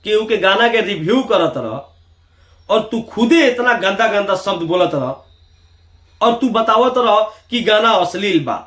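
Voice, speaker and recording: A man with a Bihari Bhojpuri accent delivers emphatic, opinionated video commentary as a YouTuber, addressing viewers with rhetorical flourishes. His voice sits high and is a bit bright, with noticeable reverb.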